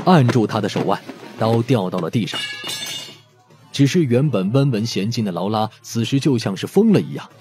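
A man narrating a scripted audiobook story expressively. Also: medium pitch.

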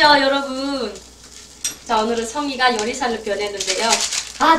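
A woman's voice: high-pitched, distant mic, background noise. Chatty woman cooking in an echoey kitchen. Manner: playful, talks to herself while cooking, giggly. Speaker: cooking vlogger. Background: frying and sizzling food.

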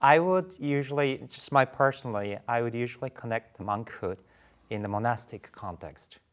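Answering an interviewer's questions in a studio, this Japanese man in his forties, a Buddhist priest guest, speaks with a Japanese accent at medium pitch and normal speed. He's thoughtful, often using fillers and restarting sentences.

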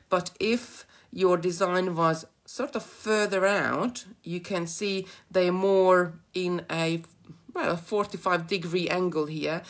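A middle-aged Hungarian-accented woman with a notably low, deep voice walks viewers through a beading project. She chats freely and drifts into giggly asides as she works at a craft table. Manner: chatty, giggly, rambling asides while working. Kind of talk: live beading tutorial.

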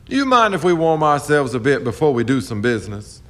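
An actor playing a brash, sly keelboat captain in a period radio drama, swaggering, needling and folksy with false friendliness. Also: male voice, medium pitch, big pitch swings, a little fast, close to an everyday voice. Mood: smooth, sly. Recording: faint background noise and ambience.

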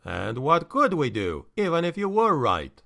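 A man doing a low, stern counselor. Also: huge pitch swings, a little slow, creaky, pushed and bright, full character voice. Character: stern, calm male counselor, cool and measured.

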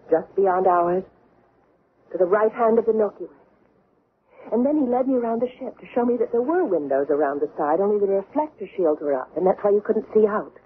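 A woman's voice: on the low side, natural voice. An actress playing a bewildered young woman in an old-time radio drama, recounting an alien abduction in a hesitant, wondering way. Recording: tinny, band-limited, noisy radio recording.

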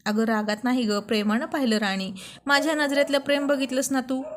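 A woman's voice: high-pitched, flat delivery, fairly quick, lightly acted. A woman voicing a playful, teasing young husband in a spoken storybook. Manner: playful, bantering. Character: young married man, teasing and romantic.

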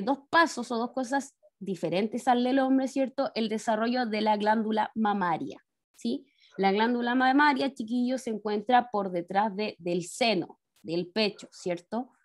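Patient Chilean teacher on a video call. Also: female voice, medium pitch. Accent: Chilean Spanish. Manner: explains step by step, tag questions after each point; speaks to the pupils as kids. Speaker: science teacher. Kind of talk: online class lecture. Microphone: laptop mic on a video call.

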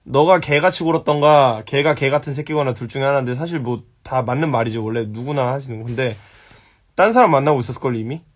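A man's voice: mid-range voice, fast. A young man hosting a casual live stream, answering viewer questions bluntly, teasing and swearing at them. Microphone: phone.

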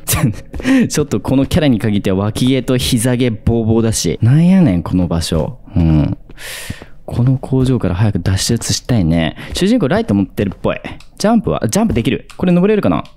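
A young man commentating a horror game, excitable and quick to react with loud, jumpy outbursts. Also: mid-range voice.

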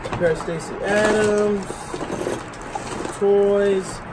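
A man's voice: high-pitched, takes it slowly. A man in his thirties joking and narrating playfully as he digs through a storage locker outdoors. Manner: playful, excitable, teasing. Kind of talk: casual commentary while sorting. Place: outdoors at an open storage unit. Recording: noisy outdoor camera audio.

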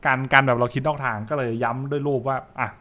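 A man's voice: mid-range voice, flat delivery, fast talker, pushed and bright. A young adult man, giving casual live reaction commentary and repeating short phrases as he thinks aloud. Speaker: streamer reacting to horror comics. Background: music.

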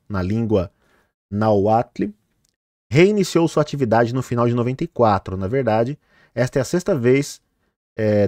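A man's voice: mid-range voice, a little mellow, no echo, clean studio sound. A man vlogging, casually commenting on footage and talking straight to his viewers with many fillers, sometimes tripping over hard names. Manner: chatty, fillers like "né" and "olha, gente".

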